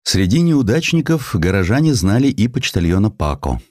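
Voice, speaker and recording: A man reads scripted literary prose as an audiobook narrator. His low voice moves expressively through the phrases with dramatic, measured storytelling, and the recording is dry and close. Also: big pitch swings, a little mellow, no echo.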